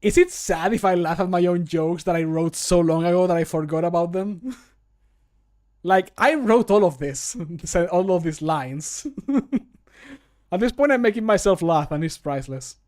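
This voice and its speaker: A man in his thirties with a voice a little higher than average talks casually to his stream. He thinks out loud as he works, joking and amusing himself. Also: animated, unhurried. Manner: jokey, self-amused, thinking aloud. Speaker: streamer and modder recording voice lines. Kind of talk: casual livestream commentary. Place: small home room, indoors.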